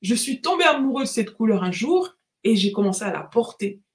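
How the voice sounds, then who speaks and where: A French woman, a life coach, giving a lively, animated motivational talk on a live stream and mixing English phrases into her speech. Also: a little high, fairly quick. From France. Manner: lively, repeats words, mixes in English phrases.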